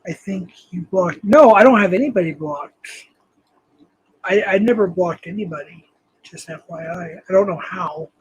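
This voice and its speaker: A hoarse man with a fairly high, husky voice hosts a casual livestream from home. He rambles loosely, filling gaps with ums while he answers the chat. His voice is worn and scratchy, as if he is coming down with a cold. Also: normal speed. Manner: rambling, reads chat aloud, frequent ums. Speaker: livestream host.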